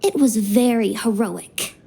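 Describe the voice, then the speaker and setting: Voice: mid-range voice, unhurried, creaky, warm tone, breathy edge. An actor voicing a self-important, boastful little champion in a video game, childlike and pompous with a whiny edge. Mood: smug. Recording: game music behind the voice.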